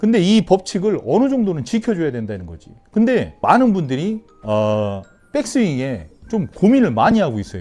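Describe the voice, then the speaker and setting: Music plays in the background as a man with a Chungcheong accent speaks at a moderate pace and high pitch, with very wide pitch swings and big swings in loudness. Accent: Korean regional dialect (Chungcheong). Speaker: golf club fitter and instructor. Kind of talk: golf lesson talk to camera. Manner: casual, folksy.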